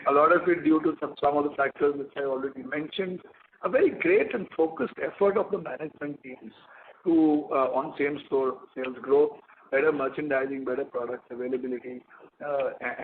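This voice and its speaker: A man with an Indian accent answering investor questions as a company executive, in measured, hesitant phrasing with frequent pauses. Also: a little high. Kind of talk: earnings call answers. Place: conference call line. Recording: echoey, muffled conference call audio.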